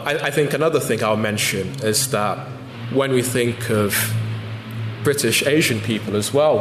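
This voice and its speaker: Man, guest author at a public talk, low voice, halting and thoughtful, hall reverb with faint hiss. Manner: thoughtful, with frequent restarts and ums. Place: lecture hall. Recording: echoey hall with faint noise.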